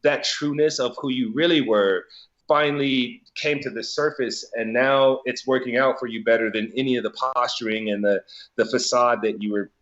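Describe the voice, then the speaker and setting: A man's voice: medium pitch, steady tone, moderate pace, a bit bright, dull audio. A man from Colorado talking as a guest in a casual conversation, loose and profane, with lots of filler words and easy laughs. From Colorado, USA. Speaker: guest, DJ and business owner.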